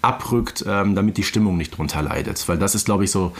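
A man's voice: deep voice, fairly quick. A man co-hosting a podcast, chatting casually about audio dramas. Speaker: podcast co-host.

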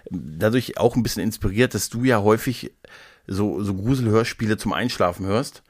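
A man's voice: fairly low pitch, moderate pace, no echo, studio quality. A man hosting a podcast in casual, playful chat, rambling along with frequent little tag questions. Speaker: podcast host.

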